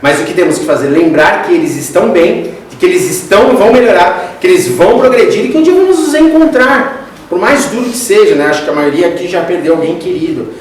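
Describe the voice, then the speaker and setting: A Brazilian Portuguese-accented man gives a conversational spiritist religious lecture in a lecture hall, often calling the audience "gente." His high voice is expressive and fast. The distant mic picks up an echoey hall and slight background noise.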